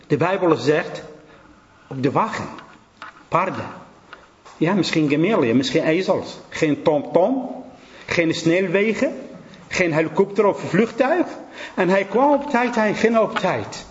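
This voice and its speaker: A man preaching a passionate sermon, his fairly high voice leaping from low, earnest stretches to ringing climaxes. He speaks in simple phrases and repeats short lines for effect. The recording is dull and lo-fi with a faint hiss behind it. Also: lively intonation, unhurried, long pauses. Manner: impassioned, swinging from low earnest talk to high ringing exclamations.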